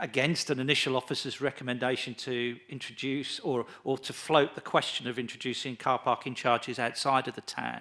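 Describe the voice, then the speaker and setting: Bright and sharp in tone, a man speaks at a moderate pace with a medium pitch and monotone, flat intonation. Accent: Birmingham. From Birmingham, England. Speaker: councillor. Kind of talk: council meeting.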